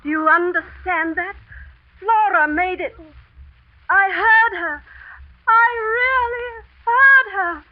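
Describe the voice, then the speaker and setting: A woman playing an unhinged woman who claims to hear a dead girl's prophecies, speaking in an intense, ominous way, in 1940s radio drama style. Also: extremely high pitch. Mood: frenzied. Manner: eerie, intense, slow and ominous. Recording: muffled 1940s radio broadcast.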